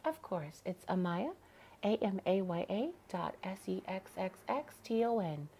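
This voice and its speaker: Trans woman, drag queen, podcast guest, expressive chat, gravelly, mid pitch. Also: measured pace. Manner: chatty and expressive, gets nasal when excited. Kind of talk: casual podcast conversation.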